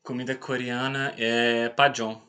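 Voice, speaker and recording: A man's voice: mid-range voice, level tone, unhurried, bright, forceful tone. A man in his late twenties with a Brazilian Portuguese accent, chatting informally and jokily as an interview guest. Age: late 20s. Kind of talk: casual chat.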